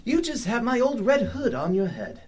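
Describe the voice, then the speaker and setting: An actor playing a sadistic, gleeful clown supervillain in an audio drama, with a theatrical, mocking, drawn-out delivery. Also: male voice, very high-pitched, big pitch swings, darkish tone, breathy edge, heavily acted. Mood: sinister teasing. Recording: music under the voice.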